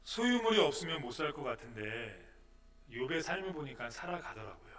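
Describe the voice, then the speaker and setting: A male pastor preaching a sermon, asking questions and moving between soft and loud. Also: medium pitch, very animated, a little fast, far from the mic. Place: church sanctuary.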